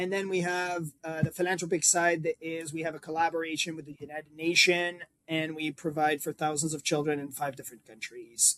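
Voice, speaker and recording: With a French Canadian accent, the speaker goes at a fairly quick pace with fairly even intonation. Loudness swings widely, and the sound is dry and close with no echo. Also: man. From northern Quebec. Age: 30s. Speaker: ultra triathlete and naturopathic practitioner. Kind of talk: casual interview.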